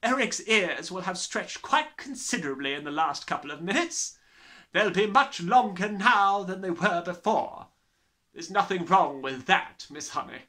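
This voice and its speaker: A man voicing a harsh, sneering, bullying middle-aged headmistress in a children's storybook, with snapping, drawn-out emphasis. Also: sits high, lively intonation, sharp tone, pitched above the performer's own voice, exaggerated voice. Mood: gloating. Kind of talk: dramatised children's storybook reading.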